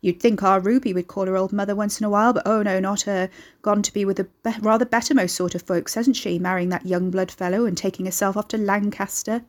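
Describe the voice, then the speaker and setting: A woman's voice: medium pitch, expressive, fairly quick, darkish tone. A woman voicing an elderly, gossipy grandmother in an audiobook, maternal and pushy, with folksy, rambling talk. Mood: sour, grumbling. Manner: folksy dialect, rambling, nosy.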